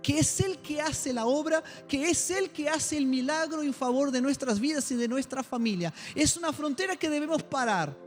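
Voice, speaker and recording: A male pastor tells a story in a sermon. His voice sits very high, and he acts out each person's lines with strong feeling. Faint music plays under his words. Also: animated, normal speed, hardly any pauses. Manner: emotional storytelling, acts out dialogue. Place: church.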